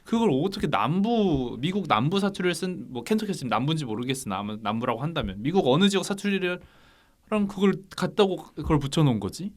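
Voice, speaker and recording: Co-host, male; higher voice with a lively swing, musing, rambling delivery. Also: fast talker. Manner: rambling, thinks aloud. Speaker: podcast co-host. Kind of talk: casual book discussion.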